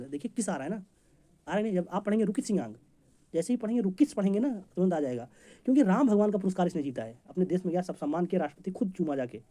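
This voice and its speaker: Fast-talking male exam teacher. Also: high-pitched, warm tone. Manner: rapid, chatty, jokey teaching with homely examples. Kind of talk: memory-trick lesson for competitive exams.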